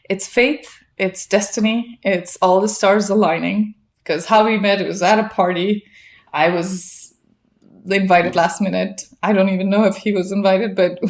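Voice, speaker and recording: Reflective woman talking, soft laughs. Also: mid-range voice. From Afghanistan. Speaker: podcast guest, actress. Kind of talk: casual interview talk.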